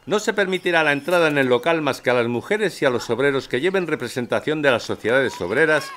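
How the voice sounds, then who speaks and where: A man's voice: medium pitch, lively intonation, fast talker, fairly bright tone, natural voice. A man playing a declamatory 1910s pamphlet reader in an audio drama. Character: man proclaiming a 1918 pamphlet to a crowd. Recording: noisy outdoor crowd around voice.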